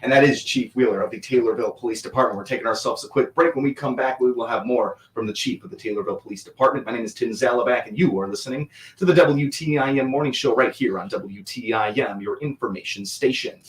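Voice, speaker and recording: A man's voice: mid-range voice, quick pace, hardly any pauses, roomy sound. A man hosting a live morning radio show.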